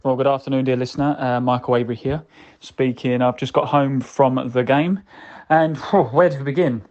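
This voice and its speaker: Muffled lo-fi voice note, bloke with mid pitch rambling casually about football, chatting straight to the listener. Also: male voice, fairly even intonation, normal speed, a little mellow. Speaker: fan calling in with a voicemail. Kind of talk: casual match reaction monologue. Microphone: recorded voicemail message. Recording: dull lo-fi voice message.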